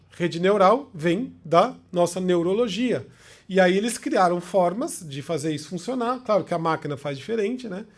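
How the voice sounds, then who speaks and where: High-voiced Brazilian man explaining. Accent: Brazilian Portuguese. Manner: conversational, checks in with short tag questions. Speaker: lecturer. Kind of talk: informal explanatory talk.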